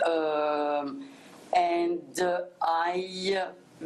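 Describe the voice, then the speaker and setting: With a French accent and a fairly low pitch, a woman speaks in a room with audible echo and noticeable background noise. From France. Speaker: author. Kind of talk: interview. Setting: studio.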